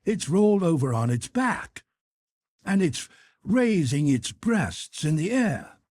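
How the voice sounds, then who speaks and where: A man voicing a blunt, excitable Canadian whaler who is eager to hunt, in an audiobook. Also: a little high, slow pace, no room sound, voice pushed up, full character voice. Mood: astonished exclaiming. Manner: exclamatory, trembling with eagerness.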